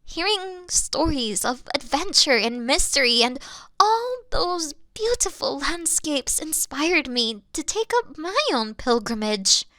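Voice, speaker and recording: High, lilting obsessive elf woman, played by an actress. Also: big pitch swings, slow pace, pushed and bright, no echo, exaggerated voice. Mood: wistful, conceited. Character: obsessive yandere elf woman, sweetly condescending, lovestruck kidnapper. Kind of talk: scripted fantasy audio roleplay.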